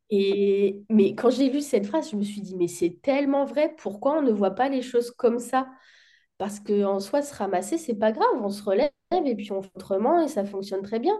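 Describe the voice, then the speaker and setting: Lively intonation marks this woman's fairly high voice. She keeps a moderate pace. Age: 30s. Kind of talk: casual chat. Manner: halting.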